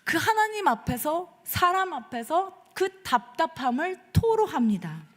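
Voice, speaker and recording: A woman pastor preaching a sermon to her congregation, telling the story in a lively way and acting out the voices she quotes. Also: very high voice, a little slow. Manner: speaks directly to the congregation. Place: church sanctuary. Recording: long hall reverb in a church.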